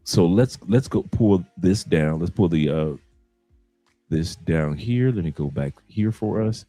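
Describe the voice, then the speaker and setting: Deep voiced guy hosting a stream, mellow and casual, bit of room echo. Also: expressive, unhurried, faint music behind. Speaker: livestream host. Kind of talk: casual livestream chat with shout-outs.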